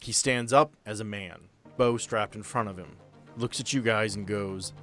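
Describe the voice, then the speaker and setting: A man's voice: lowish voice, normal speed, fairly bright tone, soft background music. A man narrating a tabletop role-playing game as game master, telling the story in an improvised, conversational way.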